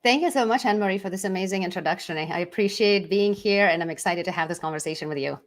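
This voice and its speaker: A woman's voice: fairly low pitch, fast. A middle-aged woman from Lithuania with a Lithuanian accent, talking casually as an interview guest, chatty and often restarting her words. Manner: chatty, restarts words, laughs between phrases.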